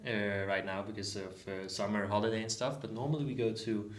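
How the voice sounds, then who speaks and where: A man's voice: lowish voice, flat delivery, fairly quick. A man of twenty, a volunteer guest on a podcast, rambling with many fillers. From Denmark. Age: 20s. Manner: rambling with "uh" and "like", restarts. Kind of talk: casual podcast chat. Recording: echoey room.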